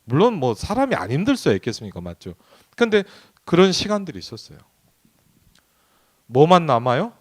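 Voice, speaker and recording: A man's voice: on the high side, sing-song, brisk, pauses often. A man who is a pastor, preaching a midweek sermon in a conversational way and often asking the congregation questions. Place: church sanctuary.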